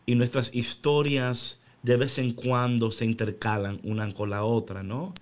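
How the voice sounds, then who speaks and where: A man co-hosting a casual faith chat on the radio, animated and slipping into English phrases. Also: mid-range voice, a little slow. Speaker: radio devotional co-host.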